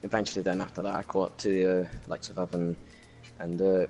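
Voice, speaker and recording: Speaking fast in a low, flat, slightly mellow voice, a Welsh-accented racing league driver gives a casual post-race chat on his new home microphone. His recap rambles, full of fillers and restarts, with faint music in the background.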